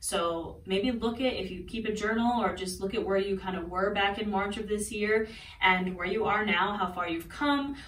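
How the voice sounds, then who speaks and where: A woman of medium pitch talks with ordinary pitch variation amid noticeable background noise and audible room echo. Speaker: yoga instructor. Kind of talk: yoga class instruction. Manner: fast; passionate.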